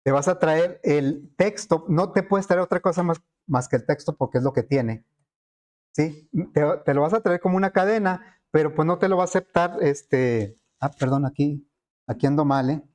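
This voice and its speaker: A programming teacher talks students through code in a screen-recorded lesson, his voice a little high for a man with a darkish tone. He thinks out loud, pausing on fillers and checking in with the class along the way.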